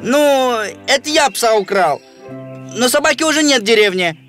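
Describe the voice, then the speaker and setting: A man's voice: extremely high pitch, lively intonation, normal speed, a bit bright. A man playing a timid, guilty villager in a folk-tale cartoon, hesitant and apologetic. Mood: sheepish. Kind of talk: animated folk-tale character acting. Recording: music behind the voice.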